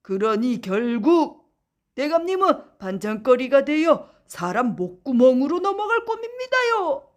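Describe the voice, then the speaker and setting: A woman putting on a high, cheeky storybook flatfish. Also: a little slow. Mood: taunting. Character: cheeky blunt flatfish mocking a lord's dream. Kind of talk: children's folktale audiobook acting.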